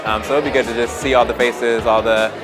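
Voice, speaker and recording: A man from Atlanta, Georgia, a conference attendee giving a relaxed, cheerful vox-pop answer. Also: mid-range voice, fast talker. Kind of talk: casual vox-pop interview. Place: busy conference venue. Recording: music and crowd behind.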